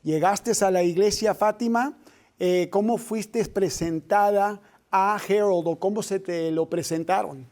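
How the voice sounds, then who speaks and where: A man's voice: sits high, a little slow. A man hosting a Christian interview program, reading scripture earnestly and then questioning his guests. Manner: reads scripture aloud, then asks questions warmly and earnestly. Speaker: host.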